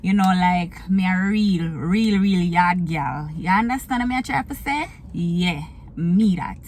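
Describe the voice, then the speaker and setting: A woman's voice: on the low side, unhurried, a little mellow. A woman from Kingston with a Jamaican accent, chatting casually to her viewers from inside her car, laughing often and slipping into patois. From Jamaica, raised in Kingston. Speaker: vlogger and small business owner. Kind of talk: casual get-to-know-me chat.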